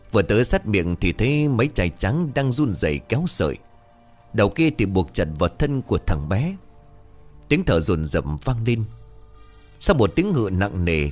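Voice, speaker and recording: A low-voiced man narrates a dark village tale with a lively, sweeping pitch. Faint music plays under his voice. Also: moderate pace. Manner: expressive, swooping delivery. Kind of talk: dramatic storytelling narration.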